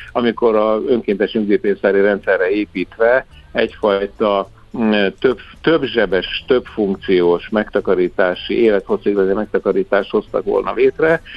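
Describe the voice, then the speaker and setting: Over music in the background, a man with a fairly low voice speaks at a fairly slow pace with fairly even intonation. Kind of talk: professional discussion of pensions.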